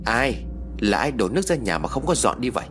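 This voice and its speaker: A man's voice: medium pitch, big pitch swings, brisk, a bit bright, soft background music. A man voicing a stern, bossy older uncle who scolds the family. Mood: scolding. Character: angry stern older uncle, Bác Phùng.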